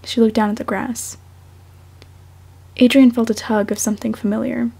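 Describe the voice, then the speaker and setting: Husky, high-voiced young woman, soft and unhurried. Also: flat delivery. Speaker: fan fiction author and podfic reader. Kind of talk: audiobook-style story narration, then casual self-conscious chat.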